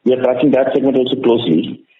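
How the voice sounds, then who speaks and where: A man with an Indian accent answering questions as a bank executive on a call, halting and repeating phrases to stress them. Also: mid-range voice. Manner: repetitive, halting, emphatic restating of phrases. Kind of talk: spontaneous answers to analyst questions. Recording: echoey narrowband phone line with faint noise.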